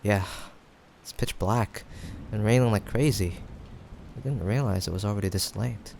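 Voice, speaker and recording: Low, gravelly young male friend acted by a man. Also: darkish tone. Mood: casual, teasing. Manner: casual, teasing, chuckling, hesitant pauses. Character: playful, caring young male friend, teasing yet reassuring. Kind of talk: improvised audio roleplay addressed to the listener. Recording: faint background noise, rain ambience. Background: rain sound effects.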